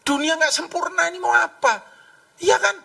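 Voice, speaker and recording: A man preaching a lively, conversational sermon, acting out voices in his stories. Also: very high voice, moderate pace, vocal fry, recorded from a distance. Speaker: pastor.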